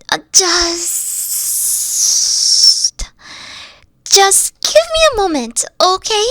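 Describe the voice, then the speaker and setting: A young woman voicing a weary, gentle fox-spirit girlfriend in an audio roleplay, soft-spoken and hesitant, often trailing off. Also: very high voice, no room sound, studio quality, heavily acted. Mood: flustered.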